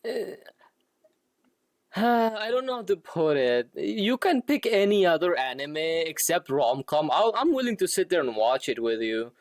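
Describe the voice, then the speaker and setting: Slow-talking man streamer with a higher voice. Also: very animated, dry recording, studio quality. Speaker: live streamer. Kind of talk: casual live-stream chat while gaming.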